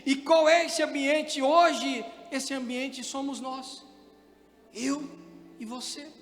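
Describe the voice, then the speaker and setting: Brief: male Brazilian pastor, São Paulo accent, very high voice, sermon that swells from soft to shouted, long church-hall reverb. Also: steady tone, slow pace, faint music behind. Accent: Brazilian Portuguese, São Paulo state. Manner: swings from hushed, intimate passages to loud shouted preaching.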